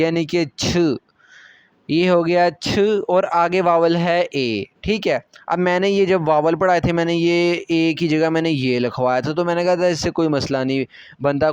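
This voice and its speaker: A man's voice: high-pitched, clear, resonant tone, no room sound. A man with a Pakistani Urdu accent teaching a language lesson, patiently repeating each syllable and checking that listeners follow. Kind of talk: step-by-step classroom lecture.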